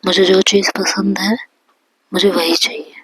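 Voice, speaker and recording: A woman whispering the part of a gruff, short-tempered young woman in a whispered role-play, speaking in curt, clipped lines. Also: mid-range voice, little pitch movement, a little slow, slight background noise, close to an everyday voice, poor audio.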